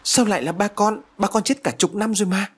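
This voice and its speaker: A man's voice: on the high side, expressive, brisk, slightly rough, pitched above the performer's own voice. A man voicing a frightened young woman, speaking in an anxious, urgent way. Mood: alarmed. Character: frightened young woman searching for her sister.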